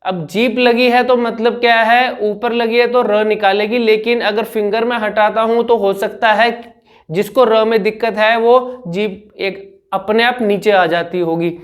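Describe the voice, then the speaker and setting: Brief: young male speech coach with a high voice, drills syllables over and over. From India. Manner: demonstrates sounds by repeating syllables. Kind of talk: speech therapy lesson.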